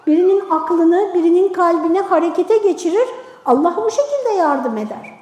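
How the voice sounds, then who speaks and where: A woman's voice: extremely high pitch, darkish tone. An older woman, a retired preacher from Turkey, giving an emphatic sermon talk in a mosque, repeating her key words and asking rhetorical questions. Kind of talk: sermon talk to a women's group. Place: large mosque hall. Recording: echoey mosque hall.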